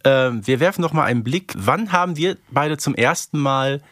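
A man hosts a podcast with a cheerful, welcoming manner. His pitch swings a lot as he talks, and the sound is dry and close. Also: moderate pace, no echo. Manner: cheerful, lively, agreeable. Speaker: podcast host. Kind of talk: casual chat.

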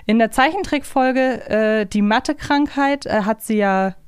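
A woman's voice: fairly high pitch, unhurried, clear, resonant tone, no room sound, clean studio sound. A woman co-hosting a podcast in casual, reflective conversation. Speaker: podcast co-host.

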